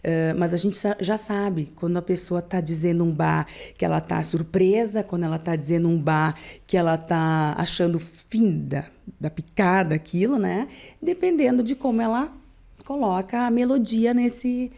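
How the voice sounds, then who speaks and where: Brief: woman guest, speech therapist, low mellow voice, explains with demonstrations. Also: moderate pace, creaky. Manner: explanatory, demonstrates intonation with examples. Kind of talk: casual podcast interview.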